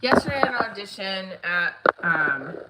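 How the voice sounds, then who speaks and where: A comedy creator and performer in middle age chats on her live stream from home, her mid-range voice animated and at a normal speed. A stuffy nose makes her sound congested, and she's loose, candid and blunt as she rambles. The recording, made at home, is clearly noisy and clicky.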